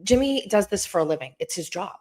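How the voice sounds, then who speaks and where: A middle-aged woman hosting a live stream from home, chatting in a hushed, rambling way so she won't wake anyone. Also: expressive, quick pace. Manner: talking low and hushed to keep from waking someone; chatty and rambling, full of asides and restarts.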